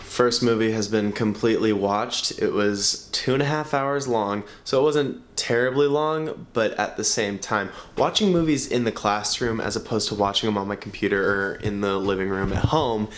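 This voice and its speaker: Male vlogger, twenties, student athlete, lower register, easygoing and conversational. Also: normal speed, few pauses. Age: 20s. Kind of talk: casual vlog to camera.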